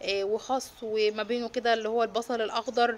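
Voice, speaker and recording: A woman at a moderate pace. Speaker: family vlogger. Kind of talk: cooking tutorial; casual vlog narration.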